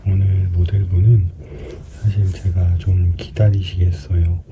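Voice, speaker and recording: A man giving a casual explanatory commentary as a skin care practitioner at work, hesitant at times and now and then dropping to a soft murmur. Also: sits low, level tone, unhurried. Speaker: skin clinic practitioner narrating an extraction procedure. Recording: clearly noisy room recording.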